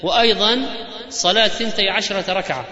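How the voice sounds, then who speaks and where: A man giving a religious lecture, rattling off quoted sayings in a lively preaching cadence. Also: high-pitched, fairly quick. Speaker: Islamic preacher. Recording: echoey hall, dull lo-fi sound.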